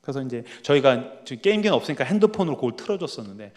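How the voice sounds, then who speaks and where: A man, a pastor, preaching at an evening church prayer meeting, telling a family story in a lively, animated way and acting out the people in it. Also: medium pitch, rapid-fire, in a large hall. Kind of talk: sermon storytelling.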